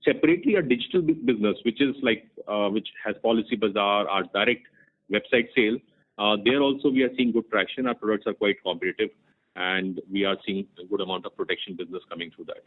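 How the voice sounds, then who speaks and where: Fast-talking executive man on a phone line. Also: lowish voice. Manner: rambling with many fillers, checks he understood. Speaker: company executive answering analysts. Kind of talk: earnings call answer.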